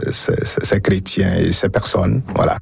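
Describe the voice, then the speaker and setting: A man's voice: low-pitched, fairly even intonation, unhurried, vocal fry, a little mellow, slightly rough, dry recording, clean studio sound. A man, a priest, answering radio interview questions in short, hesitant phrases.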